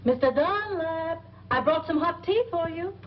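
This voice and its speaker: A woman's voice: extremely high pitch, animated, measured pace. An actress playing a kindly, scatterbrained boarding-house landlady in a 1940s film. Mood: cheerful, fluttery. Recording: dull, noisy 1940s film soundtrack.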